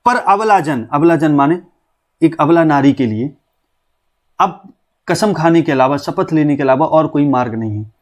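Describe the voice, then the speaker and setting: A young man giving a lesson on a poem, his voice sitting a little higher than most men's. He reads each verse line slowly and with lift, then drops into plain explanation. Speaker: Hindi teacher.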